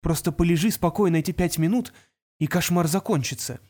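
Woman reading as a calm teenage boy genius. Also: fairly low pitch, brisk, natural voice. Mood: tense. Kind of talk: audiobook reading.

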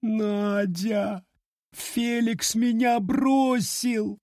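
A man's voice: high-pitched, unhurried, darkish tone, no echo, studio quality, pitched above the performer's own voice. A man voicing a sobbing heartbroken young woman. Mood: sobbing, jealous. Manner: whiny, pleading. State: crying.

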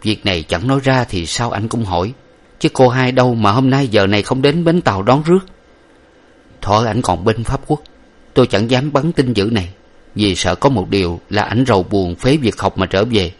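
A man's voice: fairly low pitch, expressive. A man voicing a composed male friend who speaks politely and formally. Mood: measured. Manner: formal, measured.

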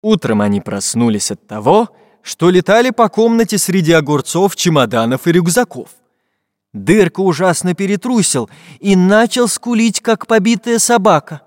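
Expressive male storybook narrator. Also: high-pitched, moderate pace. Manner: expressive, lively. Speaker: audiobook narrator. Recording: dry voice with long reverb tail.

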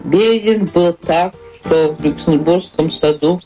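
A poet looking back with solemn reflection in a radio play. Her voice is low for a woman, and she recites in measured phrases. Music plays clearly behind her. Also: dark tone, rough recording. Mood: solemn, reflective. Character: female poet solemnly remembering a lost friend. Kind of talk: literary memoir monologue in a radio drama.

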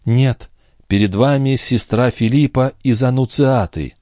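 A man reading a storybook aloud, voicing a sorrowful, selfless young gypsy woman in a soft, earnest tone. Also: lowish voice, lively intonation, normal speed, no echo, clean studio sound, pitched above the performer's own voice, close to an everyday voice. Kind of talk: audiobook reading.

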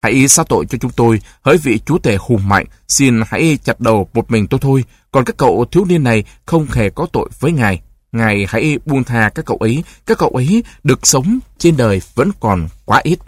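A fearful, pompous old genie, as a male reader puts him on, lamenting in grand flowery phrases. The voice is husky and dry, at an ordinary mid pitch, read like a storybook. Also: expressive, fairly quick, no room sound. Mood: pleading.

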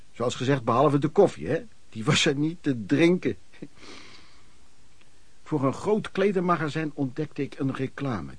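An actor playing a hardworking itinerant peddler, looking back on his life in colloquial, reflective radio drama narration with a husky voice. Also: medium pitch, no room sound.

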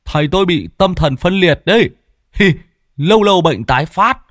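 A cheeky young apprentice teases in a raised, giggly voice, as a male narrator acts him out. He sounds mocking and lively, with a bouncing pitch. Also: moderate pace, dry recording, clean studio sound. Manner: teasing, giggly.

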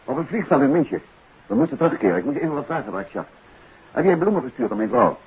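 An actor playing a composed, courteous detective in 1950s radio drama style, urgent but reassuring, on an old radio recording. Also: male voice, medium pitch, very animated, quick pace, husky, narrow, tinny audio. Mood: businesslike, urgent.

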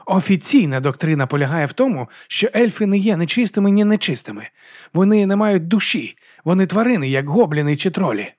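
A man's voice: high voice, quick pace, a little mellow, pitched above the performer's own voice. A man voicing an indignant, fussy monk who lectures earnestly.

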